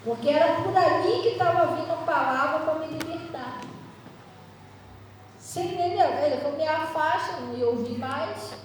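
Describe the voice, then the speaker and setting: A woman pastor preaches to her congregation in a chatty, animated, storytelling style, her voice sitting high at a moderate pace. She's recorded on a distant mic in an echoey church hall, with a little hiss or hum.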